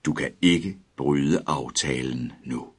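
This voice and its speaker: A man voicing a sinister inhuman figure in black who speaks calmly and pleasantly, slow and soft with quiet menace. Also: very deep voice, husky, voice pushed down. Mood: cold.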